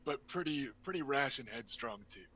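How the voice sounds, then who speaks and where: A man's voice: medium pitch, animated, normal speed, bright, forceful tone, slightly rough, poor audio. A man playing in a tabletop game, chatting and joking as he explains his character choices at length. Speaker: player. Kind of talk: casual chat, building a character.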